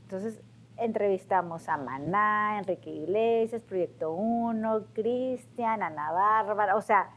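A woman's voice: medium pitch, unhurried. A Mexican woman in her forties, casually telling her own story to camera and acting out quotes in a raised voice. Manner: lively, acts out quotes in a raised voice.

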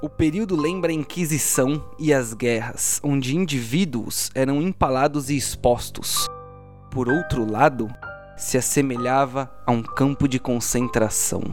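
Brazilian man narrating theatrically over soft music. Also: mid-range voice. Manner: theatrical, measured storytelling. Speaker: game master and host. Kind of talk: dramatic narration of a tabletop RPG audio drama. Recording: music behind the voice. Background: soundtrack music.

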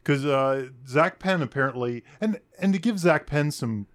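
A man's voice: a little high, expressive, normal speed. Chatty man rambling through a podcast. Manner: rambling, restarts often, self-mocking. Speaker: podcast co-host. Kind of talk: casual chat.

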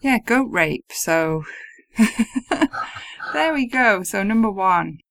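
A woman's voice: mid-range voice, animated, drawn-out words, fairly bright tone, no echo. A woman co-hosting a casual film review chat, laughing often, swearing freely and sounding incredulous. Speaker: podcast co-host.

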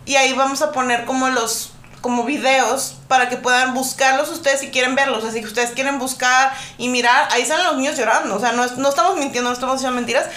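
A woman co-hosting a podcast, explaining things in a measured way with fillers. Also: high-pitched, steady tone, bright, forceful tone, roomy sound. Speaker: podcast co-host. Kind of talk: casual podcast chat.

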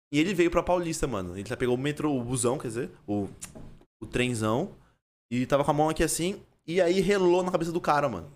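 A young man with a São Paulo accent telling animated, slangy stories in casual chat, with sound effects. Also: fairly high pitch, slight background noise. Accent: São Paulo Portuguese. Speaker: storyteller in a chat.

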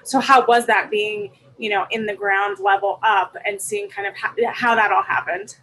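A woman's voice: medium pitch, moderate pace, bright, forceful tone, poor audio. A woman interviewer asking long, curious multi-part questions in a casual tone.

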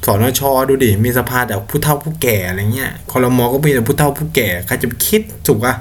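A man's voice: medium pitch, a little fast. A young man hosting a podcast, talking casually in a blunt, slangy, argumentative way. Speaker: podcast host. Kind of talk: casual solo commentary.

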